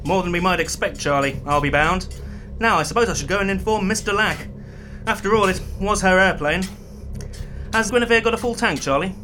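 A man's voice: sits high, a little fast, bright, forceful tone, soft background music. A man playing a gallant, plummy RAF squadron leader, in an audio drama. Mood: jovial.

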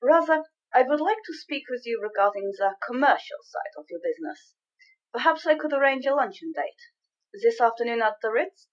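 A woman's voice: a little high, lively intonation, moderate pace, highs cut off. A woman playing a haughty, menacing female spy, in an audio drama. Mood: smooth, scheming. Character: scheming female German spy posing as journalist.

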